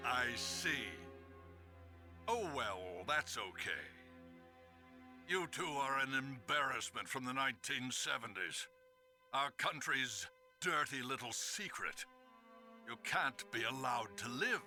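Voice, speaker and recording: An actor playing a cold, scheming government official in a video game, measured and condescending. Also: male voice, medium pitch, animated, sharp tone, faint music behind, heavily acted. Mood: contemptuous gloating. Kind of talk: dramatic video game voice acting.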